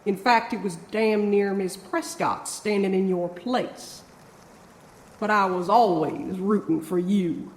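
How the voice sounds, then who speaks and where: Woman playing a slow, echoing cowboy spirit. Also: medium pitch, close to an everyday voice. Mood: sly, folksy. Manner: drawling, cocky, menacing. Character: folksy, scheming cowboy spirit, a mysterious drifter. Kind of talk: audio drama acting.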